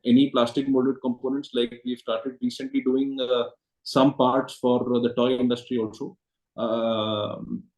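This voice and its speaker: A man with an Indian accent answering as a company executive on an earnings call, explaining things in a measured, hesitant way. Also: mid-range voice, mellow. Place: conference call. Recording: roomy echoing conference call audio.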